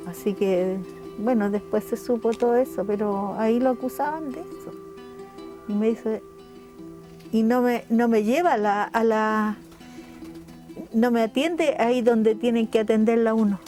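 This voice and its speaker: An older woman with a Chilean accent gives a heartfelt documentary testimony, acting out the dialogue as she tells it. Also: on the high side. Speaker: mother of a political prisoner.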